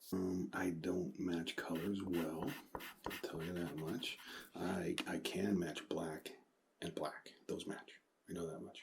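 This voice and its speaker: A soft-spoken man at a very slow pace. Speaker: ASMR creator. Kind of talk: ASMR soft-spoken chat. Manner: halting.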